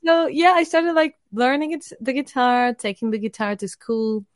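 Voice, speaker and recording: A woman's voice: on the high side, animated, moderate pace, no room sound, clean studio sound. A woman from Portugal, a native Portuguese speaker, chatting as an interview guest with frequent fillers and laughter. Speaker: singer-songwriter guest. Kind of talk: casual interview chat.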